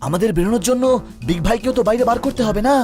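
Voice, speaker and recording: Fast, very high plucky cartoon youngster. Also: male voice, over music. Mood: defiant. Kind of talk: dubbed children's cartoon acting.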